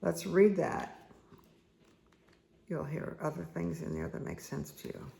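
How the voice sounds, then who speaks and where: Hoarse middle-aged woman, heavy vocal fry, slow repetitive spiritual card-reading delivery. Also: sits low, dark tone, slight background noise. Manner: slow, soothing, repetitive guidance with asides. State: hoarse, croaky voice. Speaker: spiritual reader and meditation guide. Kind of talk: casual spoken card reading.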